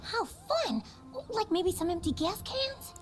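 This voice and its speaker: A woman voicing a hyperactive, naive little boy bee in a cartoon audio drama, excitable and childlike. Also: extremely high pitch, takes it slowly, full character voice. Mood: excited, eager. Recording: loud music behind the voice. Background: music.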